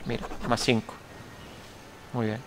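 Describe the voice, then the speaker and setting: A man's voice: medium pitch, level tone, unhurried, background noise. A young man with a Canarian Spanish accent, giving casual gameplay commentary as he plays, rambling and correcting himself as he thinks aloud. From Canary Islands, Spain. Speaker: gameplay tutorial host.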